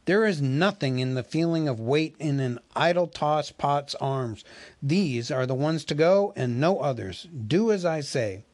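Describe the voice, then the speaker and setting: Guy reading a storybook, doing a grumpy growly old butler elf, quiet and low. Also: lively intonation, a little slow, dry recording. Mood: gruff. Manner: growling, grumbling. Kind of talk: audiobook character voice.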